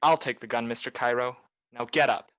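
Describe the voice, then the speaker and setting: Radio play private eye, male actor: cynical wisecracker, nonchalant tough talk, mid-pitched, dry sound. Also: steady tone, fairly quick, a bit bright, smooth, dry recording, natural voice. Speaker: actor, lead and narrator. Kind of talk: film noir radio play acting.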